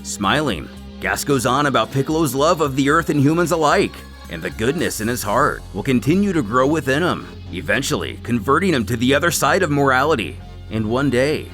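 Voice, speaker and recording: A man's voice: fairly high pitch, fairly bright tone. A man delivering scripted story recap narration in a dramatic storytelling manner, with wry asides.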